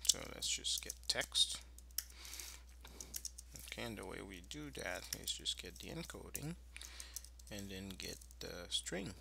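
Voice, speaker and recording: A man presenting an informal screencast tutorial, explaining in a halting, improvised way. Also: low-pitched, big pitch swings, vocal fry, noisy background.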